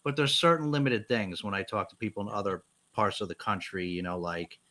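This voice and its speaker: A man from New Jersey with a New Jersey accent, co-hosting a casual chat, easygoing and quick to laugh. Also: on the low side, sharp tone. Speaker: co-host.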